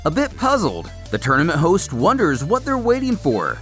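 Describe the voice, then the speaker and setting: A man delivers scripted recap narration with a theatrical storyteller's flair. His voice sits on the high side and swings very widely in pitch, over a music bed. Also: huge pitch swings, moderate pace, a bit bright. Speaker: narrator of a comic recap series.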